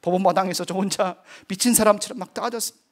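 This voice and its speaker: Middle-aged male missionary preacher, high-pitched, earnest storyteller in a sermon testimony. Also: steady tone, fast talker.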